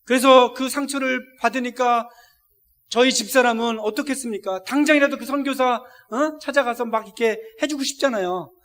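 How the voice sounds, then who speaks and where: A middle-aged male missionary preacher with an unusually high-pitched voice for a man. He preaches at a church service, telling a story with feeling and calling out to the congregation as he goes. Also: moderate pace, a bit bright. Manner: emotional storytelling, directly addressing the congregation. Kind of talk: sermon.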